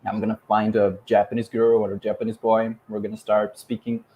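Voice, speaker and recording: Brazilian host, Portuguese native, fluent and emphatic English, lower voice. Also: male voice, little pitch movement, fairly quick, mellow, low-quality recording. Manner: fluent, emphatic, drives points home with rhetorical questions. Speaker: podcast host. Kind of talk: casual conversation about language learning.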